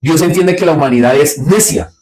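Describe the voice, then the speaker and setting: A man preaching a Bible study sermon. He asks rhetorical questions and answers them himself, dropping low for asides and rising sharply on his points. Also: fairly quick. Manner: swings between low, quiet asides and sharp, raised points. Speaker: pastor.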